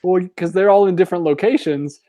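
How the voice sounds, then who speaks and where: A man co-hosting a casual commentary chat, relaxed and wry, laughing often. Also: sits high, fairly quick. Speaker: podcast co-host.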